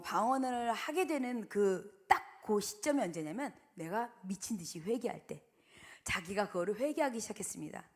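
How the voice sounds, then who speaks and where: A middle-aged woman missionary preaching a sermon, telling stories in a lively way and acting out the quotes. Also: fairly high pitch. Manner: animated storytelling, acts out quotes.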